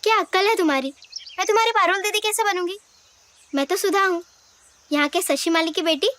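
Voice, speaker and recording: A woman's voice: very high voice, brisk, fairly bright tone. A woman voicing a cheerful little girl who gathers flowers, in a cartoon, chatty and teasing.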